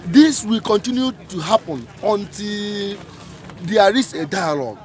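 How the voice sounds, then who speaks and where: A man's voice: sits high, animated, a little slow, darkish tone. A man giving an impassioned protest speech outdoors, repeating his points with emphatic rhetorical questions. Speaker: protest speaker.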